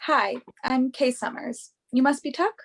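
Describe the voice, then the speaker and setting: A woman acting as a young fashion model in a naturalistic stage reading. Her voice sits fairly high, and she comes across as earnest, confident and assertive. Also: a little slow. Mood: polite. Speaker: actor in a virtual staged reading.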